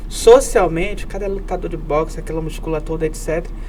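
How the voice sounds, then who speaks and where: Through audible room echo and noticeable background noise, a man is heard speaking. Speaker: guest speaker on diversity. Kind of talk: interview. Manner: lecturing, explanatory.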